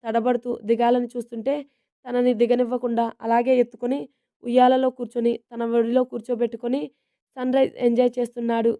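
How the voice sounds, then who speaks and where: Mellow, even-toned woman storyteller. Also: on the high side, a little fast. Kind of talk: storybook narration.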